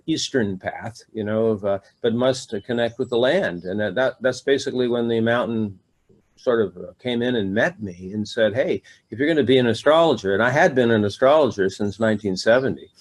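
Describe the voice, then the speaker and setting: An older man answering interview questions in an easy conversational way. He often stops, repeats words and fills pauses with "uh" and "um" as he works through his thoughts. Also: on the low side. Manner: rambling, many fillers and restarts. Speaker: astrologer, interview guest.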